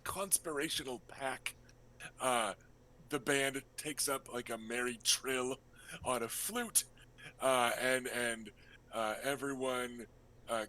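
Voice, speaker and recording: A man working as game master, narrating a tabletop role-playing game in a casual, halting, improvised way. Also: medium pitch, sharp tone, a little hiss or hum, poor audio.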